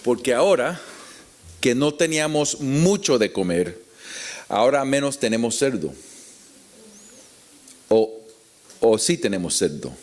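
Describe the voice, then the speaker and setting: A man with a Puerto Rican Spanish accent teaching the Bible to an audience in a deliberate, explanatory way with rhetorical questions. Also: mid-range voice, very animated. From Puerto Rico. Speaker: preacher teaching at a conference.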